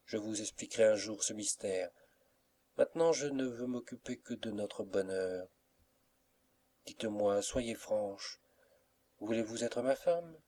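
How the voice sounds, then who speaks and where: Soft-spoken, mysterious young suitor, respectful; a man reads him in a low voice. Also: a little slow, long pauses. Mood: tender.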